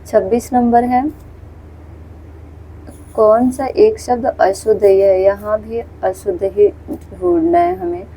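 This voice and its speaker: A woman's voice: a little high, slow, creaky, pauses often, mellow, slight background noise, low-quality recording. A woman teaching a Hindi exam-prep lesson, patiently going through questions, repeating words and pointing viewers to the screen. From India.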